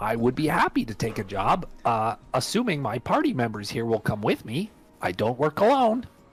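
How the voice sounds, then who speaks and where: In a put-on character voice, the man keeps his pitch in the middle range. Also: moderate pace. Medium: actual play. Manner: polite, earnest.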